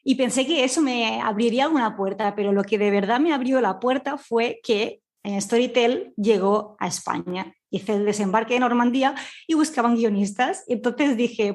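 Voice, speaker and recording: A woman's voice: on the high side, a little mellow. A woman with a Spanish accent from Spain, telling her story as a guest in a casual, chatty, informal conversational style with colloquial asides. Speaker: guest, audio fiction scriptwriter.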